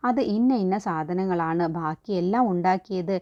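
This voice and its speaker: A woman voicing a young woman who hides her identity and explains things away softly. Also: lowish voice, normal speed, no room sound, dull audio, natural voice. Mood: explaining.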